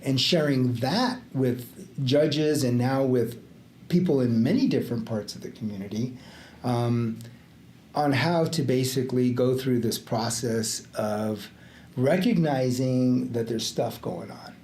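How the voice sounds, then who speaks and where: An older man, a retired judge who grew up in the Panama Canal Zone with Greek as his first language, talking in a reflective, halting way with many fillers and quick laughs. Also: mid-range voice, darkish tone. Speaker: retired judge, podcast guest. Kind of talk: casual interview chat. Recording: echoey room, faint background noise.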